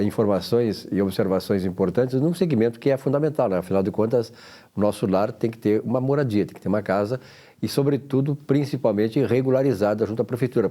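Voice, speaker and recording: A man hosting a studio talk show, affable and quick with his guests. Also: fairly low pitch, mellow.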